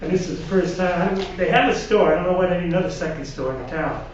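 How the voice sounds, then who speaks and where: A man speaks at a high pitch. There is audible room echo and noticeable background noise. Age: 70s. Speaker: property owner. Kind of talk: public meeting comment. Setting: town planning board meeting. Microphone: far from the microphone, hard to hear remotely.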